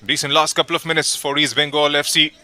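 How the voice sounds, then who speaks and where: A man giving live play-by-play football commentary, calling names and passes in steady, measured phrases. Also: fairly high pitch. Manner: steady, measured calls with brief pauses between names.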